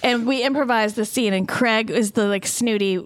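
A woman hosting a podcast in loose, casual conversation. Her voice sits fairly high, and she laughs often while her sentences ramble and restart. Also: moderate pace. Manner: giggly, rambling, self-interrupting. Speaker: podcast co-host. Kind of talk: casual chat.

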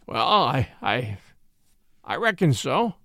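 Rustic audiobook wagon driver, flustered and laconic, hesitant, some creak male narrator acting. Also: on the high side, big pitch swings, normal speed, fairly bright tone, no echo, studio quality.

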